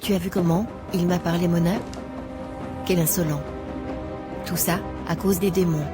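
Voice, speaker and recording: A woman's voice: lowish voice, fairly even intonation, moderate pace, close to an everyday voice. A woman voicing a self-righteous, impatient young Christian woman in a cartoon, lecturing in a preachy way over music. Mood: indignant. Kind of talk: scripted cartoon dialogue. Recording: music behind the voice.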